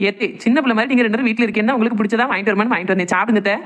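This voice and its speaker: A woman's voice: on the high side, close to an everyday voice. A woman voicing a chatty, teasing young village daughter-in-law in a cartoon, coaxing her elders in Tirunelveli Tamil dialect. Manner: rapid, chatty, cajoling dialect speech. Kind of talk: cartoon family comedy dialogue.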